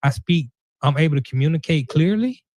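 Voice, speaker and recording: Laid back guy in a sports chat, bit higher voice, dry sound. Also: lively intonation, a little mellow, no room sound. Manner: easygoing, drawn-out agreement and thoughtful asides. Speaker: co-host.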